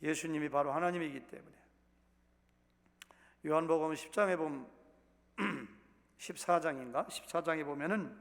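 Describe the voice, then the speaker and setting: Gravelly pastor preaching in a reverberant hall. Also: male voice, fairly high pitch, moderate pace, long pauses. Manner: conversational, asks the congregation questions. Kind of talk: Sunday sermon. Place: church sanctuary.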